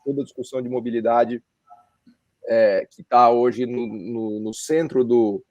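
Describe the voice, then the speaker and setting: A man's voice: medium pitch, steady tone, measured pace, a little mellow, no echo. A man hosting a podcast interview, talking in a conversational way and often adding tag questions. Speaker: podcast host. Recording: dry, dull lo-fi sound.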